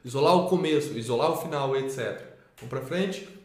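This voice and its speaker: A man's voice: medium pitch, fairly quick, darkish tone, echoey room. A man presenting a children's literacy method in a lesson, explaining step by step and answering his own questions.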